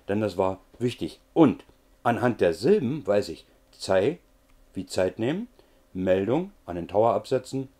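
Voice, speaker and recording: A middle-aged male teacher explaining a memorization trick in a relaxed, chatty way, with frequent filler sounds. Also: on the low side. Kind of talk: casual explanatory lesson.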